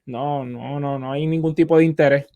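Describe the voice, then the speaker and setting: Male host, slightly high voice. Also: steady tone, normal speed, mellow, no room sound, dull audio. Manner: affirming, eager interjections. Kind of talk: casual conversation.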